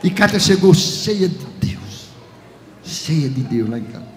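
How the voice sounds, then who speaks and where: A man with a Brazilian Portuguese accent, a pastor giving a lively personal testimony in a large church, acting out conversations as he goes. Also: fairly high pitch, a little slow, slight background noise. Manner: lively storytelling, acts out dialogue, chuckles often. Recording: reverberant church hall, faint ambience.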